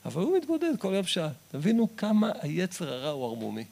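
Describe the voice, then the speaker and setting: A man preaches a Hasidic sermon in a notably high voice. He is impassioned, rising into loud exhortation, then sinking into soft, confiding talk. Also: wildly swooping pitch, creaky. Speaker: Breslov Torah teacher. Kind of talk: sermon reading and explaining Hasidic text.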